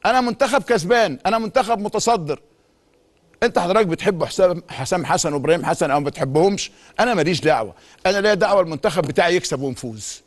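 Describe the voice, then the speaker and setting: A middle-aged man with an Egyptian Arabic accent, a sports talk show host delivering an emphatic monologue full of repeated insistent phrases. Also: high voice. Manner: rapid, emphatic, repetitive insistence. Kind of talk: monologue commentary.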